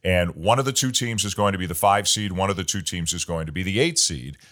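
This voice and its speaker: Man, lowish voice, podcast host, measured, asks long detailed questions. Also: fairly bright tone. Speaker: podcast host and baseball play-by-play announcer. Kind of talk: interview.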